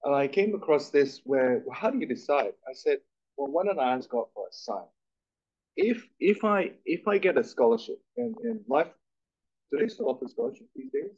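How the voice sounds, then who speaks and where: A man's voice: mid-range voice, very animated, moderate pace, a little mellow, breathy edge. Middle-aged man, from Malaysia, chatty and self-deprecating, stumbling restarts, dull lo-fi sound. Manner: chatty, self-deprecating, many repeated starts. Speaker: guest speaker. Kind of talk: conversational interview on stage. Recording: dull lo-fi recording.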